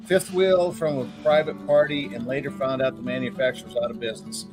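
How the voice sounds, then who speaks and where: A man at an average pitch hosts a live RV question-and-answer show in a loose, folksy way. He strings his answers together with fillers and likes to slip in a joke, and soft guitar music plays behind him. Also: steady tone, a little fast. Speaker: host. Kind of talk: casual live Q&A chat.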